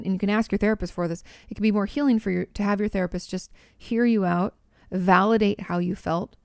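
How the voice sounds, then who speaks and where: A woman therapist hosting an advice podcast, answering listener questions in a measured, reassuring way with loose, run-on explanations. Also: medium pitch, a little mellow, clear, resonant tone, no echo, clean studio sound.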